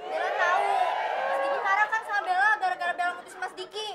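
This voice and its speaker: A clingy, whiny young woman, pleading in a very high, coy voice. Loud audience laughter and noise fill the background of this sitcom recording. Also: quick pace, a crowd in the background. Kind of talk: sitcom acting.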